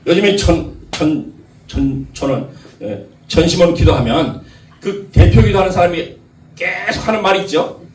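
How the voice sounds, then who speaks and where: A man's voice: sits high, normal speed, a little mellow. A man preaching a sermon to his congregation, repeating key phrases and putting questions to the listeners. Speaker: pastor. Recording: echoey hall, mic at a distance.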